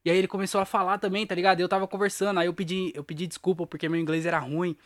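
A man's voice: sits high, flat delivery, racing, no echo, clean studio sound. A young man, hosting his podcast alone and telling a long, rambling story in slangy talk, laughing at himself. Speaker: podcast host. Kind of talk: casual solo podcast storytelling.

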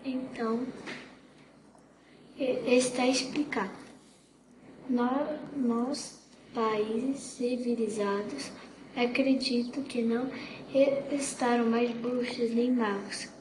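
A woman voicing a kindly old good witch, reading softly with small slips, in an echoey room with background noise. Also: a little high, steady tone, slow, long pauses. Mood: gentle.

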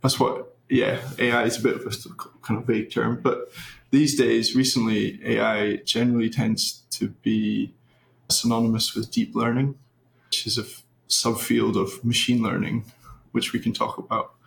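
A young man with a Scottish accent talks through ideas in a relaxed, hesitant way. His voice is gravelly and stays flat and level. The recording is roomy and echoey. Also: mid-range voice, normal speed. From Scotland. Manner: relaxed, thoughtful, hesitant with fillers. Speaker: research engineer. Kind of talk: interview guest, explaining. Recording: roomy echo.

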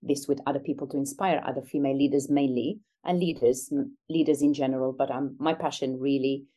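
Middle aged algerian woman on a podcast, deep soft-edged mellow voice, earnest, chatting reflectively. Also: fairly even intonation, brisk. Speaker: interview guest, executive coach. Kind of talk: reflective conversational interview.

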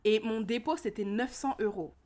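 A woman co-hosting a casual chat, telling animated stories and slipping English phrases in. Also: a little high, normal speed. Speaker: podcast co-host.

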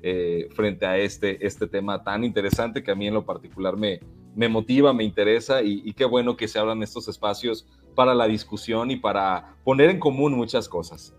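A man's voice: fairly low pitch, faint music behind. Earnest man, first language sign language. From Jalisco, Mexico. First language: Mexican Sign Language. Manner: measured and earnest, frequent hesitations. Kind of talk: interview answers.

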